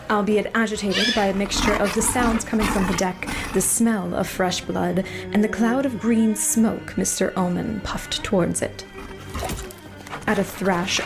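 Woman narrating fantasy, medium-pitched voice. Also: poor audio. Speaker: co-game master and narrator. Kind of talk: literary fantasy storytelling narration.

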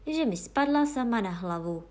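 A woman voicing a calm, humble male magician who answers quietly, in a children's story reading. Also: fairly high pitch, pitched above the performer's own voice, close to an everyday voice. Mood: mírný. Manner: tichý, pokorný. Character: klidný kouzelník, muž, mírný.

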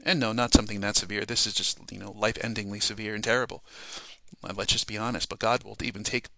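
A man's voice: on the low side, little pitch movement, quick pace, vocal fry, noisy background. A man hosting a Christian podcast, giving an informal, personal devotional talk in an earnest, emphatic way, often adding a checking "okay?" or "all right?". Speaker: Christian ministry podcast host.

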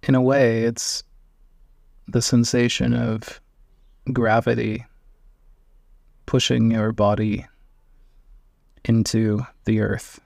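A man guiding a meditation in a calm, measured manner, speaking in short, sparse phrases with long pauses, close to the microphone. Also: mid-range voice, creaky, dry recording. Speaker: meditation guide. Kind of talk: guided meditation.

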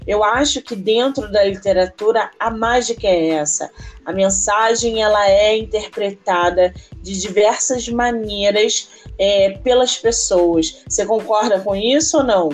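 A woman's voice: mid-range voice, measured pace, soft background music. A Brazilian woman hosting a casual podcast interview, speaking informally and effusively.

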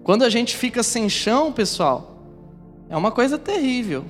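A very high-pitched man preaches at a moderate pace, weaving a story from his own life into the sermon and acting out scenes and voices with animation. He talks straight to the congregation while his voice rings long through the church hall, faint music beneath.

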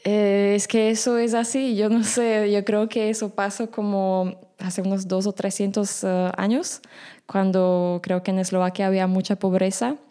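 A woman whose first language is Slovak, speaking as a podcast guest in a casual chat, pausing often with fillers. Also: mid-range voice, level tone, dark tone, smooth. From Slovak minority in Romania. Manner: hesitant, many fillers.

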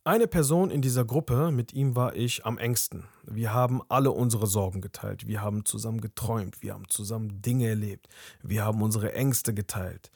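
A man's voice: fairly low pitch, normal speed, gravelly, a little mellow, slightly rough, no echo, studio quality. A young man hosting a podcast and telling a candid personal story in a conversational way, often tagging his sentences with a questioning aside. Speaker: podcast host.

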